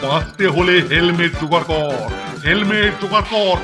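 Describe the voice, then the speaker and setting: Guy doing a high pitched fussy angry school warden, blustery, cartoon dub w music. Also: normal speed, close to an everyday voice. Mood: furious. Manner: blustering, repeats phrases. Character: irate fussy middle-aged male hostel superintendent, blustering, vengeful. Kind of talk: Bengali cartoon dubbing. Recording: music behind the voice.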